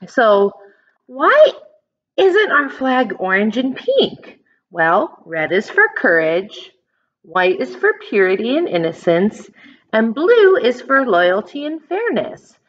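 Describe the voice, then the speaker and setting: A slightly muffled, lo-fi recording of an American woman reading to young children. Her pitch moves in a lively, expressive way. She explains things simply like an elementary teacher and puts questions to her listeners. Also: takes it slowly. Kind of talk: children's picture-book read-aloud with explanations.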